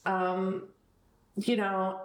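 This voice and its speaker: A woman's voice: mid-range voice, little pitch movement, very slow. A young adult woman, a business owner, talking candidly in a casual interview, laughing easily and filling with likes and ums. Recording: echoey room.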